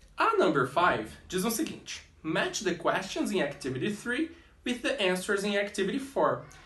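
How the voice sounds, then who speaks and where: A man talks at a fairly slow pace. Room echo can be heard around his voice. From Brazil. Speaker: English teacher. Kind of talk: recorded online lesson for children. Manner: casual, friendly teacher talk.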